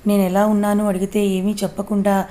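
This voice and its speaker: A woman's voice: mid-range voice, little pitch movement, a little fast, warm tone, lightly acted. A woman voicing a confused, childlike young woman in a read-aloud family story, with innocent, puzzled questions. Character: confused, childlike young woman who lost her memory.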